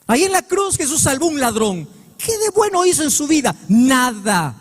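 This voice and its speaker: A man preaching a sermon as pastor, with impassioned delivery that swings from high sung cries to low, drawn-out words. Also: sing-song. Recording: long reverb of a church hall.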